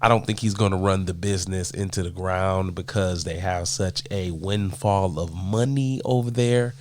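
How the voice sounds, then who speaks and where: A man's voice: deep voice, moderate pace, slight background noise. A man with a cold, sounding stuffed up, rants casually and emphatically to his viewers, answering their questions and repeating points for effect. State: congested from a cold. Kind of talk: casual opinion rant.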